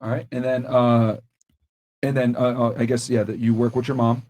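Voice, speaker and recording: A man's voice: medium pitch, little pitch movement, moderate pace, darkish tone. A man hosting a podcast panel, questioning guests bluntly with many restarts. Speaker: podcast host. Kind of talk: casual panel interview.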